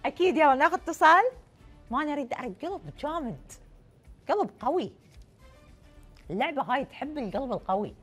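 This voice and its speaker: Young female Iraqi-accented game show host, playful and effusive, high swooping voice, faint music behind. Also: animated, fairly quick, long pauses, a bit bright. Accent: Iraqi Arabic. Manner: playful, effusive, repeating phrases in welcome and banter. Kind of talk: lively game show presenting. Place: TV studio.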